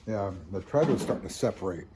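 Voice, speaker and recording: A man's voice: fairly low pitch, lively intonation, fast talker. A middle-aged man chatting casually as a homestead vlogger, a rambling, chuckling storyteller talking outdoors on a farmstead into a camera mic. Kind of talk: casual chat. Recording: outdoor vehicle noise.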